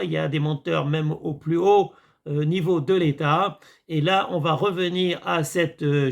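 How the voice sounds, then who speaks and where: Rambling man with a gravelly voice. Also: fairly high pitch. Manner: rambling, hesitant with many fillers, addresses viewers as friends. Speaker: video commentator. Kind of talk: casual monologue reviewing a series.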